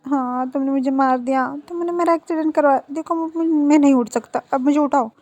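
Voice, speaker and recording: A woman's voice: sits high, fairly quick, a little mellow, voice pushed up, close to an everyday voice. A woman voicing a whiny, melodramatic young man who pleads and stammers. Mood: pleading. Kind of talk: storybook dialogue read by a narrator.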